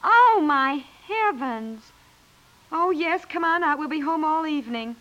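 An actress playing a skeptical, practical wife who gently needles her husband in a dry, wry way, in 1950s radio comedy style. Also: high voice, lively intonation, a little slow, muffled recording, heavily acted. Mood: flustered. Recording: 1950s network radio recording.

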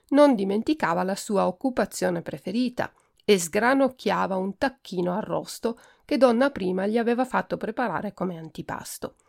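A woman hosting a podcast reads a children's storybook aloud, steady and expressive. Her voice has a gravelly, creaky texture at a mid pitch. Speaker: podcast host reading a children's book.

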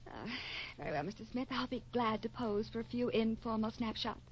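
An actress playing a flirtatious, theatrical movie starlet with a grand, coquettish manner in a 1950s radio western. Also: female voice, on the high side, brisk, close to an everyday voice. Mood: world-weary, grand. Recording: muffled old radio recording.

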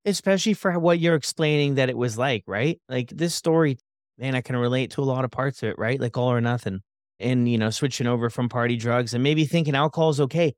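A man hosting a podcast, chatty and relaxed, often tagging "right?" onto his points. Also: medium pitch, brisk, dry recording, clean studio sound. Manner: relaxed, chatty, leans on fillers like "right?" and "you know". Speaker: podcast host. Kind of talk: conversational interview.

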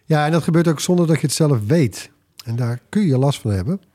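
A man's voice: a little high, animated, a little fast, warm tone. A man hosting a casual tech podcast, talking in a colloquial, opinionated way. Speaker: podcast host.

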